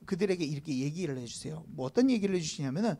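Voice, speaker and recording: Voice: mid-range voice, lively intonation, racing, mellow. A preacher giving a casual sermon at a church youth service, chatting with the teenagers, asking them questions and counting them in to read together. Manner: chatty, asks the students questions; leads group reading with a count-in.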